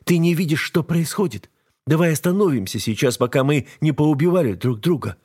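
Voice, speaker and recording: A man voicing a defiant, frightened young wife in an audiobook, raising his voice high and pleading. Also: expressive, fairly quick, husky. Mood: bitter. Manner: pleading, shouting, breaking into sobs. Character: young woman, defiant, scared and furious wife. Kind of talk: audiobook narration.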